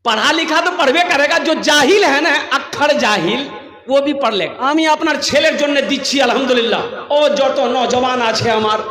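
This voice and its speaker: A man's voice: very high-pitched, pushed and bright, soft background music. A man preaching at a mosque gathering, calling out to the crowd and drawing out his repeated phrases. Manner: calls out to the crowd, drawn-out repetitions. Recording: echoey hall with long reverb.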